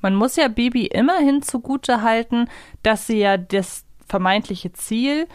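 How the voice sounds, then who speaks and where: A woman's voice: fairly high pitch, a little slow, clean tone, dry recording, studio quality. A woman co-hosting a podcast, discussing a favourite story casually and analytically. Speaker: podcast co-host.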